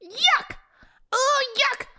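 Guy doing a squeaky whiny dude who flips out at everything, bright sharp voice, kinda off mic. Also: lively intonation, very slow, full character voice. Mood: indignant. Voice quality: shrill, high and strained. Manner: squeals and protests in outbursts. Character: whiny excitable grown man, easily outraged.

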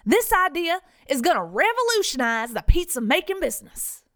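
A man voicing a confident cowboy founder of a pizza company, with a folksy Southern drawl and calm authority in a comedic audio story. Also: very high-pitched, moderate pace, voice pushed up, heavily acted.

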